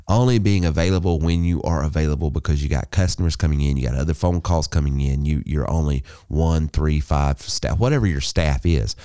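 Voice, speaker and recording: A man's voice: rumbling low, mellow, no echo, clean studio sound. A man hosting a business podcast, talking emphatically and persuasively in repeated listing phrases. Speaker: podcast host. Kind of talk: solo business podcast monologue.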